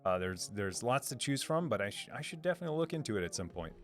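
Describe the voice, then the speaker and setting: A man hosting a live stream and answering chat in a rambling, upbeat way, with lots of fillers and restarts. His voice is a little lower than usual today. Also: big pitch swings, fast talker.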